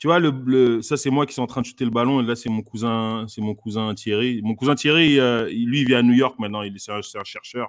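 Here is a normal speaking voice from a man at medium pitch. His pace is fairly quick and his intonation fairly even. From France, Paris suburbs. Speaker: comedian. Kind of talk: casual chat.

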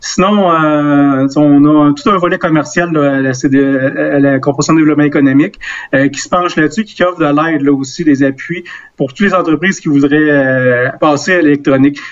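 A man in a plain, everyday voice speaks at a moderate pace, fairly high in pitch with fairly even intonation. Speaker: city councillor and festival co-founder. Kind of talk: casual interview.

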